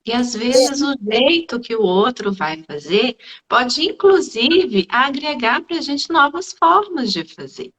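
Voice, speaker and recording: Lively woman, musing aloud. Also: high-pitched, slow pace, few pauses. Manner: reflective, leans on "né" tag questions. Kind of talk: casual conversation on a live stream.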